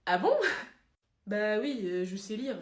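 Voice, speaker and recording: Flustered stammering accountant in heaven, lower voice, a woman acting it, roomy. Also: lively intonation, takes it slowly. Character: nervous dull male accountant, dead.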